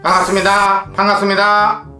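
A woman playing a stiff robot teacher from the future, speaking in a flat, clipped, machine-like way and announcing each of her functions. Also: medium pitch, normal speed, natural voice. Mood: robotic flat. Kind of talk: scripted comedy sketch acting. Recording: roomy sound with background music.

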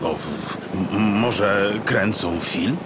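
A man's voice: on the low side, extremely slow, very noisy. A man voicing a jumpy, indignant detective in an audiobook, stammering and protesting. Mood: uneasy. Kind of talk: audiobook character voice.

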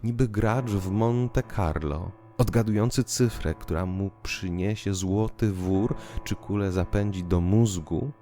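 Man, very low voice, slow pace, expressive audiobook drama reading, faint music behind. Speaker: audiobook narrator. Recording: music bed under the voice. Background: piano and musical accompaniment.

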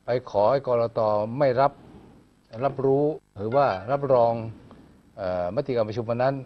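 A man's voice: mid-range voice, moderate pace, highs cut off. A man co-hosting a news talk show, chatting colloquially and prodding with questions. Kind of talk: conversational news commentary.

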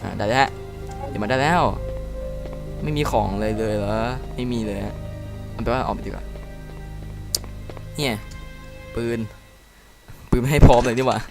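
A man talks his way through a game in a relaxed commentary. He reacts with excited outbursts and reads on-screen lines aloud for viewers. His pitch sits in an ordinary middle range, with faint game music behind him. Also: moderate pace, gravelly, long pauses. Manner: chatty, explains controls to viewers. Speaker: game let's-play commentator. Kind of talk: casual gameplay commentary.

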